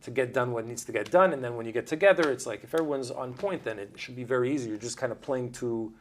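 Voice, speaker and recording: A man's voice: mid-range voice, quick pace, slight background noise. A man in his forties whose first language is Italian, telling rambling stories as a guest musician in a casual interview. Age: 40s. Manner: chatty, rambling storyteller.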